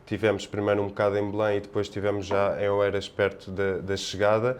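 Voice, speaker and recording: A man with a European Portuguese accent chats through sports analysis on a podcast panel. His voice is smooth and fairly low, and he talks in a halting, roundabout way. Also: level tone.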